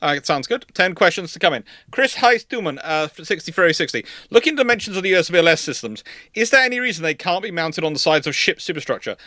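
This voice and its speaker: A man's voice: fairly high pitch, sing-song, fast, sharp tone, no echo, studio quality. A British man hosting a casual history question-and-answer stream, rambling and often stammering and repeating words as he explains. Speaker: livestream host.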